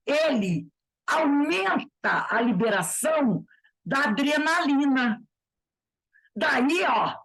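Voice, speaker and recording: A woman teaching an informal spiritist study class, reading passages from a book and explaining them conversationally, often asking "né?" and slowing down to stress key words. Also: mid-range voice, slightly rough. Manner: conversational, with frequent tag questions.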